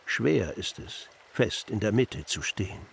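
Stern old Chinese sage, radio play: slow, solemn, didactic, mid pitch, faint noise behind. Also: male voice, expressive, creaky. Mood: stern, admonishing. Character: Confucius, stern old Chinese sage teaching his disciples. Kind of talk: declaimed literary radio drama.

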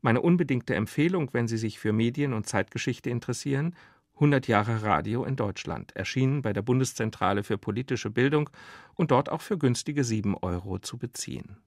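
A man's voice: medium pitch, animated, fairly quick, no echo, clean studio sound. A man hosting an interview, presenting in a prepared, articulate radio style and putting questions to guests. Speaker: interviewer, host.

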